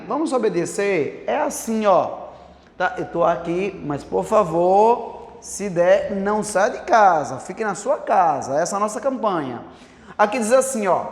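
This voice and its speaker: Brazilian man teaching in an echoey room. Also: high voice. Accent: Brazilian Portuguese. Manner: didactic, constant rhetorical check-in questions. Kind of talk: online grammar lesson. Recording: echoey room with long reverb.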